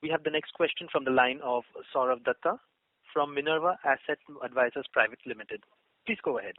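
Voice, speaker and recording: A man's voice: medium pitch, a little fast, no echo. A man moderating a conference call with formal, polite, scripted announcements. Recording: dry, tinny phone line.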